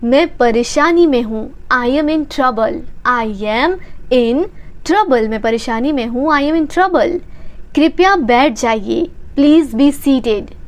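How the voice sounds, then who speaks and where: A woman teaching English phrases, giving each one in Hindi and then repeating the English slowly and deliberately. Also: a little high. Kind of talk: slow, repeated phrase drills.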